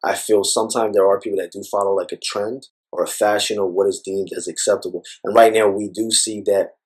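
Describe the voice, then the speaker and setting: A man with a low, husky voice answers an interviewer. He reflects at length on personal experience and leans on frequent "you know"s and "like"s as he gathers his thoughts. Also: steady tone, fairly quick. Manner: thoughtful, rambling with frequent fillers. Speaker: interview guest.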